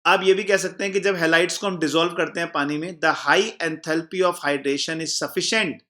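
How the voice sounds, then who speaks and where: A man teaches an exam-prep chemistry lesson with a bright, fairly high voice. He turns every point into a question for his "children" and answers it himself. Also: fairly even intonation, unhurried. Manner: explains by repeating, asking the class and answering himself; calls the students "children" warmly.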